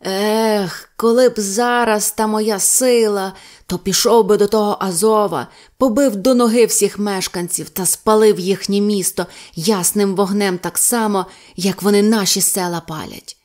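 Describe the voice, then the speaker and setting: Young male Cossack hero, read by a woman: fierce, proud, forceful storybook voice. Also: mid-range voice, steady tone, unhurried, lightly acted. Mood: angry.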